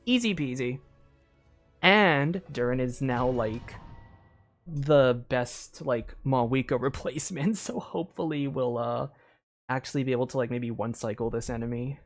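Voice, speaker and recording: A woman's voice: a bass voice, normal speed, soft background music. A young woman streaming a video game, chatting casually with her viewers and using lots of fillers. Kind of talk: casual gameplay commentary.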